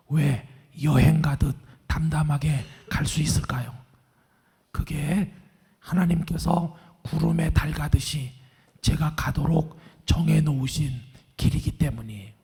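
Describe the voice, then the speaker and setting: Hoarse middle-aged male pastor, raspy half-whisper, fairly high pitch, preaching calmly with long church reverb. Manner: calm, earnest, reassuring. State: hoarse, strained voice after vocal cord surgery. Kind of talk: sermon. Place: large church sanctuary.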